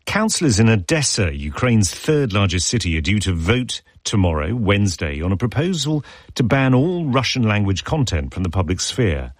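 A man reads live radio headlines in a low, slightly husky voice. His pitch moves a lot as he stresses key words. The studio sound is dry and close. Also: very animated, no room sound. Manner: measured, formal headline delivery. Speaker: news presenter. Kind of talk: live radio news reading. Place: broadcast studio. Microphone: studio microphone.

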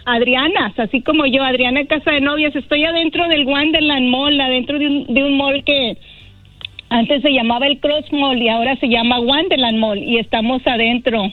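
A woman's voice: high voice, fairly even intonation, normal speed, dry recording, phone-quality sound, faint music behind. A woman, a bridal shop owner chatting as a guest on a call-in radio interview, laughing easily. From Mexico.

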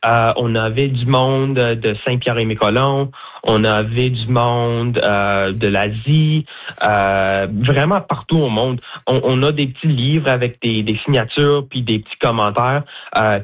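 A man's voice: medium pitch, unhurried. Young man on a tinny phone line. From Newfoundland, Canada. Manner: chatty, hesitant, many fillers and restarts. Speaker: bilingual botanical garden guide. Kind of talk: casual interview answers.

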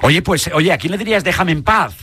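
A male radio host who chats with his guest, adding quick agreements and friendly asides. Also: on the high side, animated, sharp tone, breathy edge. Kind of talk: radio interview.

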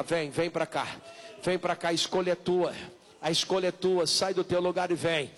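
High-voiced Brazilian preacher, insistent. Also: male voice, fairly bright tone. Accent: Brazilian Portuguese. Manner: insistent, repetitive exhortation with drawn-out calls. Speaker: pastor leading an altar call. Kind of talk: evangelical sermon, altar call and prayer.

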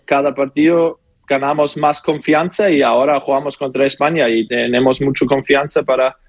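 A young man, a footballer, answering interview questions in halting, speech with many pauses and fillers. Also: medium pitch, steady tone, no room sound. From Austria. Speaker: footballer guest.

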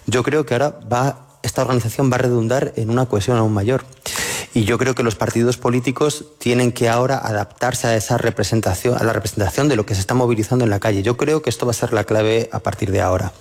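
A man's voice: mid-range voice, steady tone, quick pace, a little mellow. Guy on a panel arguing politics, earnest, big hall echo behind him. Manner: earnest, argumentative. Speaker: panel guest. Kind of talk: political commentary.

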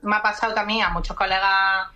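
A woman's voice: mid-range voice, level tone, fast talker, sharp tone, dull audio. A young woman with an Andalusian accent, a guest chatting casually and thinking aloud. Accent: Andalusian Spanish. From Andalusia, Spain. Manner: reflective, thinks aloud with fillers. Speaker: guest, screenwriter and podcaster. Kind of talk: casual radio chat.

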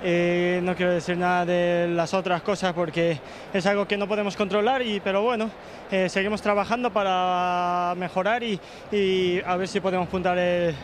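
A footballer answers halftime questions pitchside, hesitant and measured. His voice is fairly high, and a little street noise sits behind him. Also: level tone.

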